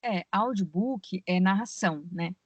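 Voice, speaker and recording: On a podcast interview held over a remote call, a woman who works as a voice actress and audiobook narrator explains her work at length, using many fillers like "né" and "assim." Her voice is lowish and unhurried. The recording is muffled but has no echo.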